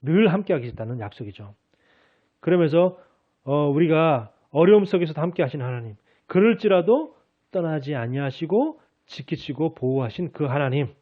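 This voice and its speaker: A man's voice: a little high, expressive, moderate pace. A male pastor preaching a Sunday sermon earnestly, raising his voice as he speaks God's promises. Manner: earnest preaching, acts out God's words in a raised voice. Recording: phone-like narrow sound.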